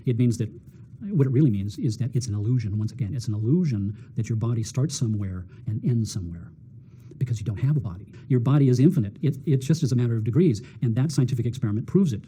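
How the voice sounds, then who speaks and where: Fast-talking man with a dark, husky voice. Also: medium pitch. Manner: energetic, repeats words, acts out quotes. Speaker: doctor interviewed on healing. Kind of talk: animated storytelling talk.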